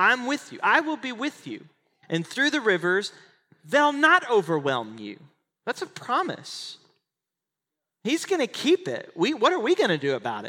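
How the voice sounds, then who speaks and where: Someone with an American accent speaks at a moderate pace, leaving long, frequent pauses. Their loudness swings widely. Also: man. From Oklahoma. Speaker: pastor. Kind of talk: sermon. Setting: church with live congregation.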